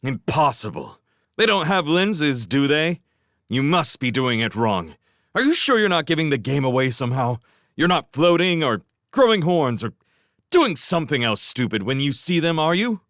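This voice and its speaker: A man's voice: lowish voice, big pitch swings, normal speed, fairly bright tone, dry recording, studio quality. A man reading aloud, voicing a proud young male apprentice who talks stiffly and guardedly and flares into outrage. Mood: outraged.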